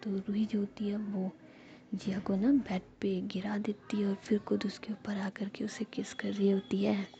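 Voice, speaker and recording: Woman whispering a story, low mellow tone, gravelly edge, muffled lo-fi sound. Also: completely flat delivery, a little slow. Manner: whispers steadily, casual spoken retelling. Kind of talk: whispered romantic story narration. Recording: dull lo-fi recording.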